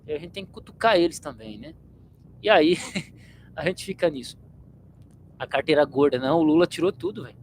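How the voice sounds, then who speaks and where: A man's voice: high voice, slight background noise, rough recording. A man from São state, hosting his channel in a blunt, slangy, rambling monologue to viewers. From São Paulo state, Brazil. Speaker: channel host.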